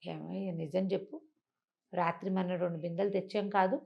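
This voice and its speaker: A woman's voice: fairly low pitch, steady tone, normal speed, vocal fry, muffled recording, voice pushed down. A woman storyteller voicing a naive, hot-tempered peasant wife who scolds and complains in a folk tale. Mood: puzzled. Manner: scolding, complaining, plain-spoken.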